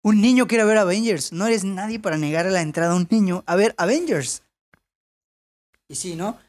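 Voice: medium pitch, normal speed, a little mellow. A host with a Mexican Spanish accent who reads listener anecdotes aloud in casual chat. The host often drifts into tangents and gets worked up into rants. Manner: chatty, goes off on tangents, gets worked up and ranting.

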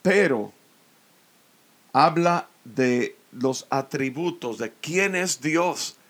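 A man preaching a sermon, slowly and earnestly explaining a psalm verse by verse. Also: fairly high pitch, animated, fairly bright tone. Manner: slow, earnest expository preaching.

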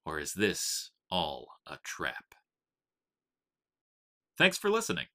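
A man's voice: sits low, huge pitch swings, slow, pushed and bright. A man announcing an episode with scripted, dramatic narration.

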